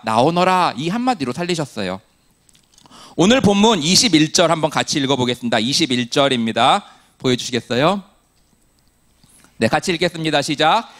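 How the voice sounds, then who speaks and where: A man preaching a sermon from the pulpit, his slightly high voice swinging widely up and down. He asks the congregation quick questions, answers them himself, and slips in jokes along the way. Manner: animated storytelling with humor. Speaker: pastor.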